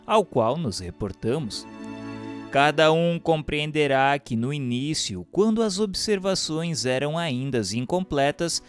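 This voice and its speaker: A Brazilian man reads a scripted text as a formal narrator. His delivery is slow and instructive, with pitch that moves expressively through each phrase. Faint music plays behind his voice. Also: lively intonation, clear, resonant tone. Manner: formal, measured, didactic delivery. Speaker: narrator reading a book aloud.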